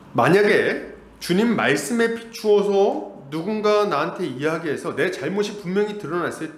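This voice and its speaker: Male pastor preaching, lively swooping voice, echoey church hall. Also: high voice. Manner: animated, acts out quoted church members. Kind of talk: sermon. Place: church sanctuary.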